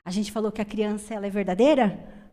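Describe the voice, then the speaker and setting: A woman giving a lively, emphatic church talk to women, often asking her listeners questions. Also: medium pitch, a little fast. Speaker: women's ministry speaker.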